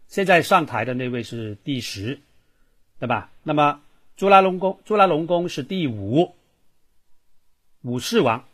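A man's voice: fairly high pitch, a bit bright. Fields: Sex: man. Role: Thai language teacher. Style: live online voice-class lesson. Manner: chatty and repetitive, keeps asking the class questions. Mic: computer microphone. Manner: chatty, repeats himself, asks the class questions.

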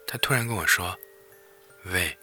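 A man's voice: extremely low pitch, steady tone, moderate pace, bright, forceful tone, slightly rough, faint music behind. A man reading a first-person romance story aloud as a storyteller, in an emotive, dramatic way.

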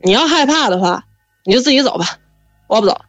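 A woman's voice: fairly high pitch, expressive, a little fast, no room sound, muffled recording, faint music behind, close to an everyday voice. A woman voicing a stubborn male hunter who brushes off fear and insists in her own storytelling voice. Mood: insistent. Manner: insistent, dismissive.

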